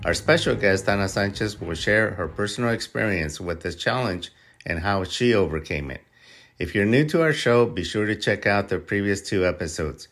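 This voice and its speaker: A man hosting an interview podcast, opening with a formal, measured introduction before asking his guest questions. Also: fairly low pitch, expressive, fairly bright tone, soft background music. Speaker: podcast host. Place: Texas.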